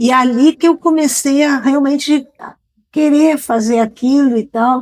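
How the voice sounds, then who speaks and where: A woman's high-pitched voice at a fairly slow pace, with very even loudness and fairly even intonation. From southern Brazil, Rio Grande do Sul (Bagé, then Porto Alegre). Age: 70s. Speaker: visual artist and art professor. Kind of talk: casual interview conversation. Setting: art gallery.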